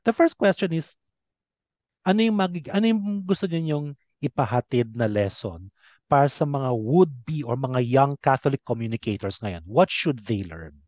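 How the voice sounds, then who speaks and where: Male Filipino talk host, medium pitch, conversational, on a dry and slightly muffled recording. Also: expressive, moderate pace, a little mellow, no echo. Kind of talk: conversational interview hosting, mixing Tagalog and English.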